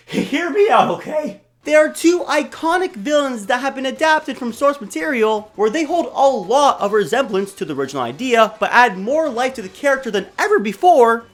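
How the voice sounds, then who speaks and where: A young adult woman hosting a video essay, narrating her opinions in a casual, slangy, emphatic way with mild swearing and dry asides. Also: on the high side. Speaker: host of a video essay channel. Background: background music.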